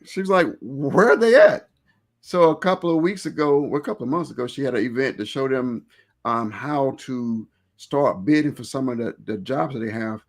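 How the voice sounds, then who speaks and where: A man's voice: mid-range voice, normal speed. A man hosting a live stream, chatting informally and rambling a little as he repeats and reworks his phrases. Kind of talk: casual interview chat with event plugs.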